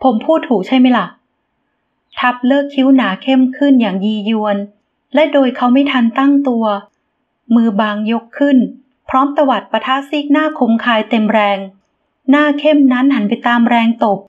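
A woman reading a romance novel aloud in a steady, expressive storybook narration. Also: a little high, dull audio. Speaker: audiobook narrator.

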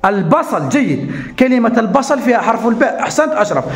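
A man with an Algerian Arabic accent teaching young pupils in a classroom, coaxing and animated, slowing right down to dictate. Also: high voice. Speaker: primary school teacher. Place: school classroom. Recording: echoey classroom.

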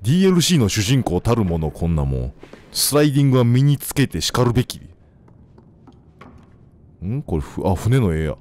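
A young man with a Kansai accent giving casual, joking commentary while playing a game, talking to the characters and shouting now and then. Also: mid-range voice, big pitch swings, fairly quick, pauses often. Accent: Kansai Japanese. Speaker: gameplay commentator. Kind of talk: casual let's-play commentary. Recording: faint game music behind.

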